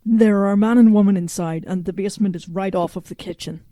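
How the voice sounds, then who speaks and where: Woman acting a mellow, teasing cyborg woman. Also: mid-range voice, a little fast, dry recording, studio quality, natural voice. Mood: focused. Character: cocky, teasing half-robot cyborg woman. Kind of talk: audio drama acting.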